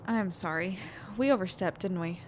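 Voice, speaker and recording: A woman's voice: lowish voice, moderate pace, slight background noise, close to an everyday voice. A woman playing an earnest, apologetic young friend in an audio drama, with plain natural delivery. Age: young adult.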